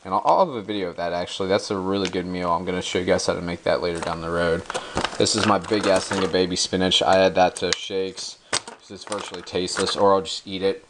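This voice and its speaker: Young male vlogger, very low-pitched, casual and profane, filler-heavy; home kitchen, handheld cam, crinkly packaging noise. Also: fairly even intonation, fast. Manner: laid-back, slangy and profane, many ums and uhs. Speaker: bodybuilder vlogger. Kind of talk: casual grocery haul show-and-tell. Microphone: handheld camera held close. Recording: crinkling bags and clicks close by.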